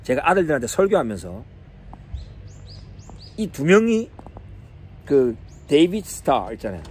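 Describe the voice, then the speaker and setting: Male Bible teacher, fairly high voice with swinging pitch, animated sermon storytelling. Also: measured pace, breathy edge.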